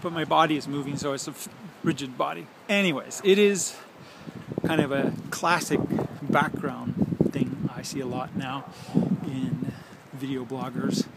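A man in his forties talking casually and haltingly to a handheld phone, musing as he drifts between thoughts. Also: medium pitch, fairly even intonation, gravelly, very noisy. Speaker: video blogger. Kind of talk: casual rambling monologue to camera. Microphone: handheld smartphone at arm's length.

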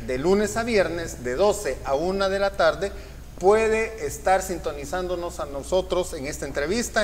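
A man's voice: sits high, a little hiss or hum. Middle-aged male TV host, echoey studio. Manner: promotional, repeats schedule details. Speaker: TV interview host. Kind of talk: political TV interview.

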